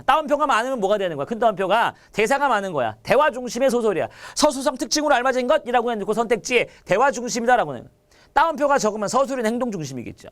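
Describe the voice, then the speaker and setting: A man leads an online exam-prep lecture with a very lively, swooping delivery. He is chatty and animated, peppering his students with rhetorical questions and everyday analogies. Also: extremely high pitch. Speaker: Korean literature lecturer.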